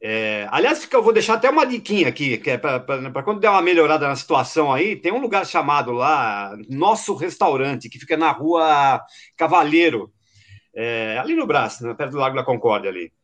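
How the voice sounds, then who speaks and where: A man's voice: fairly high pitch, big pitch swings, brisk, fairly bright tone. A man from Brazil, hosting a podcast in a rambling, casual way full of fillers and slang. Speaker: podcast host.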